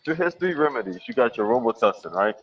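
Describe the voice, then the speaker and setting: A man's voice: mid-range voice, sing-song, brisk. Joking man on a dull-sounding line. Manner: joking, teasing banter. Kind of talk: casual livestream chat.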